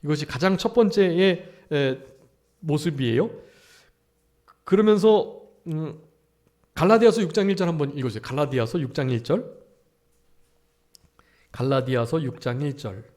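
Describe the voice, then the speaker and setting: A man's voice: fairly high pitch, lively intonation, normal speed, long pauses, darkish tone. A male pastor preaching a Sunday afternoon sermon at a church service, often asking the congregation rhetorical questions.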